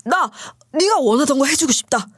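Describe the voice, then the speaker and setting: A woman's voice: sits high, lively intonation, a little fast, no room sound, studio quality, pitched above the performer's own voice. A woman voicing a self-pitying, remarried ex-husband who pleads and makes excuses in a storybook reading. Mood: pleading.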